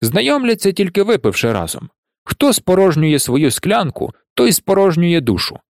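A man's voice: sing-song, moderate pace, no room sound, clean studio sound. A man doing a wheedling old peasant gravedigger. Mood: cajoling. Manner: cajoling, higher and louder than the narration. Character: old cunning peasant gravedigger, chatty, pleading.

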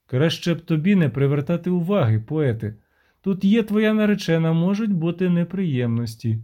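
A man's voice: a little high, expressive, moderate pace, lo-fi sound, lightly acted. A man voicing a grim, weary witcher who speaks in a dry, level tone.

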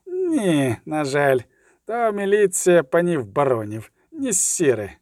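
A man's voice: on the high side, wildly swooping pitch, slow, darkish tone, dry recording, studio quality, exaggerated voice. A man reading an audiobook and voicing a sullen male settler who is terse and distrustful. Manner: gloomy, curt.

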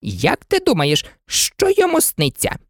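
Excitable storybook twin boy put on by a woman, cocky, bouncy, dry sound. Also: mid-range voice, unhurried, dry recording, voice pushed up, exaggerated voice. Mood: teasing. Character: contrary teasing boy twin.

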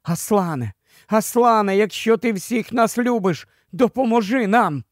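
A frightened young girl in a storybook softly pleads in a lifted, gentle voice, as a male narrator puts her on. She speaks quietly and earnestly. The reading is close and dry. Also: high voice, unhurried, no echo, pitched above the performer's own voice. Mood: pleading. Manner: soft, pleading whisper.

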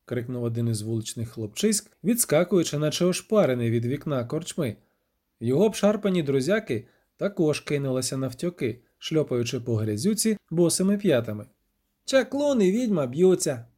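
A man reading a fantasy novel aloud with dramatic, expressive narration. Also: medium pitch, a little fast. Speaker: audiobook narrator. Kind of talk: scripted narration.

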